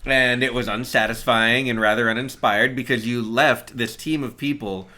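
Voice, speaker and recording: A man co-hosting a gaming podcast, talking in an animated, casual way and swearing freely. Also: medium pitch, moderate pace. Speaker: podcast co-host. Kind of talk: casual chat.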